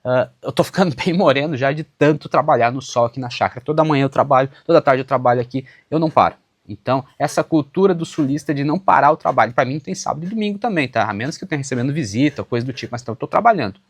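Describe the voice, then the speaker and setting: Fast-talking southern Brazilian man. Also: mid-range voice, expressive, no echo. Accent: southern Brazilian, Santa Catarina. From western Santa Catarina, southern Brazil. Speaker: YouTuber on public service exam preparation. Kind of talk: casual direct-to-camera commentary, responding to comments. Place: outdoors on a small farm.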